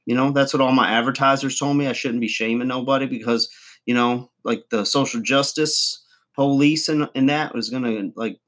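A folksy redneck guru rambles through a comic advice show, as a man plays him. He chuckles, trails off and mangles big words. His voice sits at an everyday middle pitch. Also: fairly even intonation, normal speed, a bit bright, natural voice. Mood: boastful rambling. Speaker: comedy channel host. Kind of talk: comic monologue to camera.

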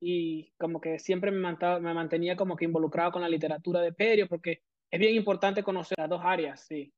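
A man's voice: high voice, fairly even intonation, brisk, no room sound, muffled recording. A man from Venezuela in his thirties with a Venezuelan accent, a guest explaining his career at length with many fillers. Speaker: guest prosthodontist. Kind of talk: casual interview.

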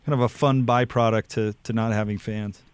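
A man's voice: lowish voice, steady tone, fairly quick, clear, resonant tone, dry recording. A man co-hosting a sports radio talk show, asking a friendly question. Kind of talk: casual sports radio chat.

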